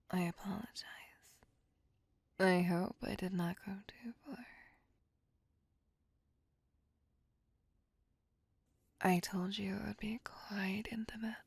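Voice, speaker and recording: A woman voicing a possessive female vampire in a whispered roleplay, speaking slowly and formally in a breathy, intimate hush. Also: mid-range voice, no echo, full character voice. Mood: hungry. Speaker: voice actor.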